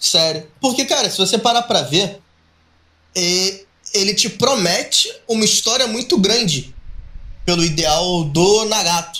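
Speaking at a very slow pace with long, frequent pauses, a man uses a raised, projected voice, high pitch and lively intonation. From Rio de Janeiro, Brazil. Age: 30s. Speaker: Twitch streamer. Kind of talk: casual chat.

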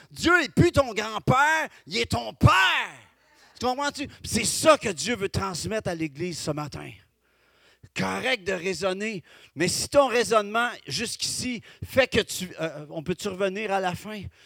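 A man with a Quebec accent talks at a fairly slow pace, his pitch swinging very widely. His tone is bright and sharp, and the sound is dry and close with no echo. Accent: Québécois French. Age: 50s. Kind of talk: sermon. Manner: animated.

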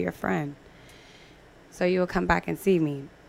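A woman speaks with an American accent in a bright, sharp tone. Her pace is fairly quick. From US Northwest (Montana/Oregon). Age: 20s. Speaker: nightlife entertainer. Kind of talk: casual interview.

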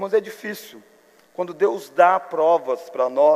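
Here a man talks at a very slow pace. His pitch is high. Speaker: pastor. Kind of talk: sermon.

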